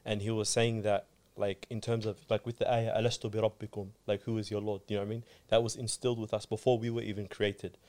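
A man in a casual chat, retelling a story quickly with frequent "you know what I mean". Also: on the low side, flat delivery, a little mellow.

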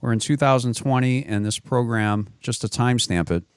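A man's voice: mid-range voice, moderate pace, clean tone, no room sound, clean studio sound. A man hosting a Catholic radio interview, who often stops his guest to clarify and repeats words as he starts his sentences. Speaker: radio show host.

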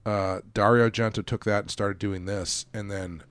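A man's voice: fairly low pitch, steady tone, moderate pace, a bit bright, clean tone, no room sound. A man co-hosting a casual film podcast, rambling with restarts and chuckles. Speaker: podcast co-host.

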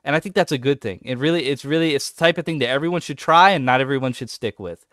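A man co-hosts a casual podcast chat in a mid-range voice, speaking fast over clean studio sound with no room echo. He's enthusiastic, his energy rising and becoming animated when he's excited.

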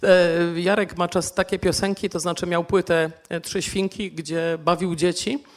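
A woman's voice: lowish voice, level tone, a little slow. A woman from the Czech Republic, a song translator on a discussion panel, speaking with a Czech accent as a non-native speaker and explaining things with hesitant fillers.

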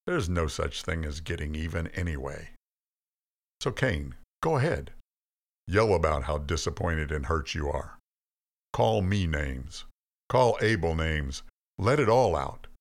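A man's voice: deep voice, vocal fry, heavily acted. A man voicing a patient, fatherly God. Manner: earnest, pleading, gently firm. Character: patient, compassionate male God, fatherly and firm. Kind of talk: storybook reading.

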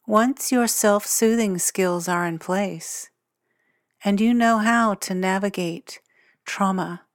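Slow, gentle woman guiding a meditation. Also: mid-range voice, dry recording, studio quality. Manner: gentle, soothing, unhurried, measured with long pauses. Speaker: meditation guide and podcast host. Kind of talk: guided meditation narration.

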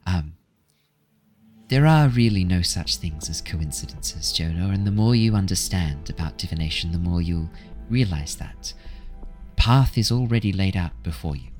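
A man voicing a kindly old woman fortune teller, gentle, calm and cryptic, in a tabletop role-play game. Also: low-pitched, moderate pace, soft background music. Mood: solemn, cryptic.

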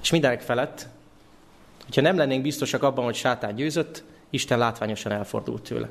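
A male preacher delivers a sermon in a church. He is animated and asks his listeners questions. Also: mid-range voice, gravelly.

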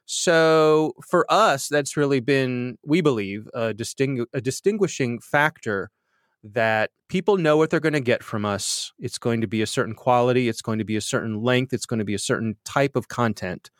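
A man's voice: mid-range voice, normal speed, dry recording. Man, podcast host, chatty, self-deprecating, slightly nasal, dry close sound. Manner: chatty, self-deprecating, animated when telling stories. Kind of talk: conversational interview answers.

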